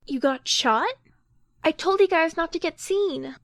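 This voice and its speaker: Woman acting a high-pitched, bossy young planner. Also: unhurried, a bit bright, no room sound, clean studio sound, heavily acted. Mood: scolding. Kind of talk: audio drama acting.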